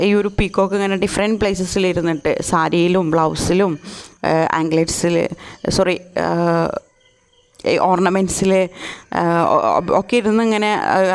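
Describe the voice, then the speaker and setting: A woman explaining a folk song line by line, reading the quoted lines slowly and a little higher, with hesitant fillers. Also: clear, resonant tone, rough recording. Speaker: teacher explaining a poem. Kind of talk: lecture mixing Malayalam and English.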